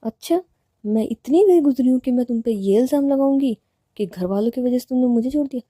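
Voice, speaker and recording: A woman's voice: high-pitched, a little fast, dark tone, no echo, studio quality. Woman voicing Preet, a fiery young college girl. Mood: indignant. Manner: scolding, indignant, raises voice. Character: young college woman, quick-tempered but loving.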